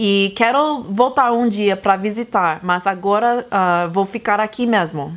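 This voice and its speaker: With an American accent, a woman speaks at a fairly slow pace and medium pitch, with ordinary pitch variation, very even loudness, and hardly any pauses. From USA. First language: English (speaking Portuguese). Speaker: YouTuber. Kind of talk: casual vlog. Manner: halting.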